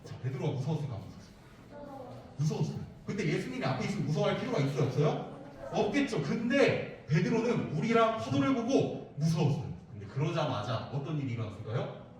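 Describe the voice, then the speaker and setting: A man's voice: high voice, big pitch swings, quick pace, darkish tone. A man preaching to young children, asking them questions and repeating their answers. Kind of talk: children's sermon with call-and-response questions. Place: church worship room. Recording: echoey room, mic at a distance.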